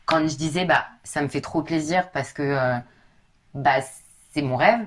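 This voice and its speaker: A young woman with a low, husky voice, chatting casually as a podcast guest and filling her talk with informal asides. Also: measured pace. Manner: chatty, informal, many fillers.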